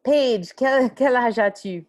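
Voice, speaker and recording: A woman's voice: a little high, slow pace, darkish tone, lo-fi sound. A woman teaching an online French class over a video call, mixing French and English as she encourages her students.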